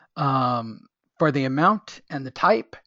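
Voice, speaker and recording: Fairly even intonation marks this man's fairly high-pitched voice. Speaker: real estate agent and coach. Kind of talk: webinar training. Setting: conference call with screen sharing.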